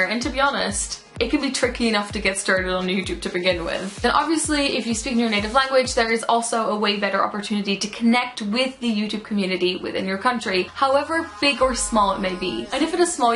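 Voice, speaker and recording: A young woman from the Netherlands talks to her camera in a chatty, reflective way, her showing now and then. Her voice sits a little high for a woman. Soft music plays faintly behind her. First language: Dutch. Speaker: YouTuber. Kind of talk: casual talk to camera.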